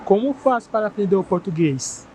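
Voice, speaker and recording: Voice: medium pitch, lively intonation, moderate pace, warm tone, a little hiss or hum. Interviewer, mid-range voice, plain direct questions, neutral delivery.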